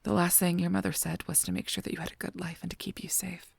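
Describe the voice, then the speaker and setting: Actor doing solemn protective angel for audio drama, super husky n breathy, close dry sound. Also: mid-range voice, little pitch movement, no echo, heavily acted. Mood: grave, regretful. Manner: grave, measured, formal speech. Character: solemn, protective guardian angel guarding an orphanage. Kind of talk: scripted audio roleplay acting.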